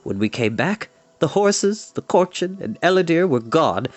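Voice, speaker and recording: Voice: mid-range voice, big pitch swings, unhurried, no echo, pitched above the performer's own voice. A reader voicing a rueful male bard who boasts and then corrects himself, wry and theatrical. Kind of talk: audiobook character voice.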